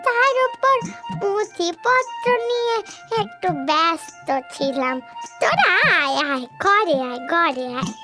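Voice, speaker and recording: Shrill old granny, quavering voice, very lively pitch, cartoon with music behind. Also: female voice, slow pace, heavily acted. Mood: affectionate. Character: old grandmother living in the forest, superstitious, fearful.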